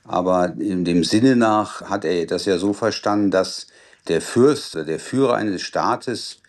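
A man speaks as an interview guest with a fairly low voice. He explains his points deliberately and pauses now and then to rephrase. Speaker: guest, law professor. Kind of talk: radio interview answers.

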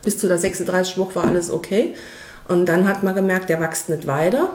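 A woman's voice: on the low side, a little fast, background noise. A woman in her fifties with a Saarland dialect, talking casually and bluntly about her own life as an interviewee. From Saarland, Germany. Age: 50s. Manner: chatty, blunt, dialect-coloured speech. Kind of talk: casual personal account.

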